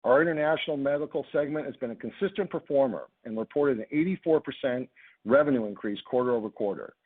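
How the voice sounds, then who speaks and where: A man's voice: mid-range voice, fast, husky, narrow, tinny audio. A man delivering scripted remarks on an earnings call as a company executive, formal and businesslike. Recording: thin phone conference line.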